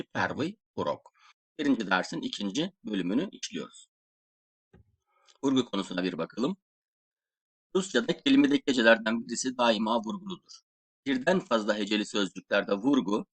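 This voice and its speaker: A man giving a slide-based language lesson, explaining slowly and repeating example words aloud. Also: lowish voice, husky. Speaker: Russian language teacher.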